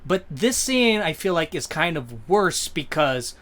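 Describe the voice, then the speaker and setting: Rambling opinionated man, slightly high voice. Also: sing-song, unhurried, fairly bright tone. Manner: rambling, self-correcting, opinionated. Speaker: podcast co-host. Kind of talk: casual podcast chat.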